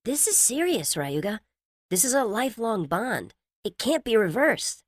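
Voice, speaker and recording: A man's voice: high voice, sing-song, a little slow, no room sound, studio quality, pitched above the performer's own voice, exaggerated voice. A man putting on a scolding bossy young woman. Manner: scolding, exasperated.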